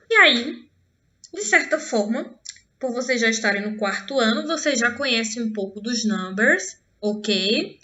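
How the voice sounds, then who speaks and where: Woman, Brazilian accent, English teacher, slow careful delivery, dull lo-fi sound. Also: high-pitched, sharp tone. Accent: Brazilian Portuguese. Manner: slow, drawn-out modelling of English words; checks in with "ok?" and "certo?" often. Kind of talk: online class for young pupils.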